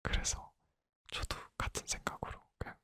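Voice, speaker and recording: A man in his twenties whispering a personal story in a soft, intimate, conversational ASMR style. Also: moderate pace. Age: 20s. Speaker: ASMR creator.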